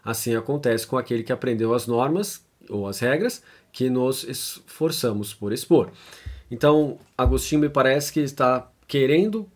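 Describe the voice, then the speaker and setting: A man's voice: mid-range voice, normal speed. A Brazilian man with a Brazilian Portuguese accent, giving an informal lecture as he reads out a text and comments on it, often tagging his sentences with questions. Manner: conversational, frequent tag questions and fillers. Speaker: lecturer on theology.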